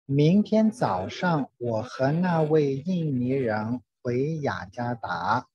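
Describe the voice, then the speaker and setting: Extremely slow man, slightly husky, dull audio. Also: medium pitch, very animated, a little mellow. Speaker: language student. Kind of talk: language drill, repeating and translating sentences. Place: online video call. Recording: dull, roomy online call recording.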